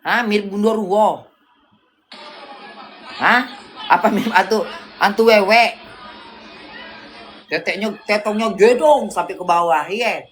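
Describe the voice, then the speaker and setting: A woman's voice: medium pitch, takes it slowly, pauses often, faint music behind. A woman rants on a livestream in a blunt, coarse, scolding way, throwing rhetorical questions at her viewers. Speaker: livestream host. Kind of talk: casual livestream rant.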